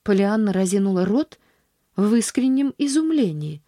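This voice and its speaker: A woman narrating an audiobook in a soft, even storytelling manner. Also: mid-range voice, normal speed, no room sound, studio quality.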